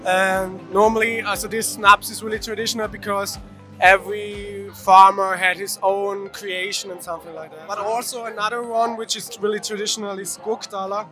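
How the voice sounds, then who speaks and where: Man with as his explaining a drink in english, high bright voice, bit of music behind. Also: normal speed. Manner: relaxed, explanatory. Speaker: interview guest.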